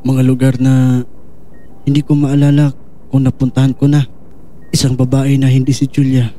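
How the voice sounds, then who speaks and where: A man's voice: mid-range voice, completely flat delivery, normal speed, warm tone, close to an everyday voice. A man acting a troubled, earnest young man with lost memories in an audio drama. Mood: confused.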